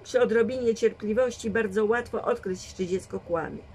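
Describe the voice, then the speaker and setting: A woman's voice: mid-range voice, a little mellow, slight background noise, lightly acted, low-quality recording. A woman voicing a shrewd, dry and commanding old grandmother who reasons firmly in a read storybook. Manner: measured, firm reasoning.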